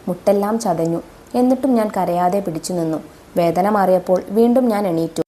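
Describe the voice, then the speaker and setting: A woman's voice: mid-range voice, warm tone, a little hiss or hum. A woman teacher who goes through exam questions and reads model answers aloud to children. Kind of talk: exam revision lesson.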